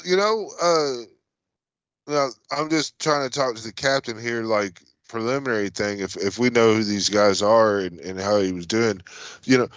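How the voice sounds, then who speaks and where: A man's voice: mid-range voice, fairly bright tone, dry recording, lo-fi sound. A man playing a tabletop game, talking in rambling casual bursts and swearing freely. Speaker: player.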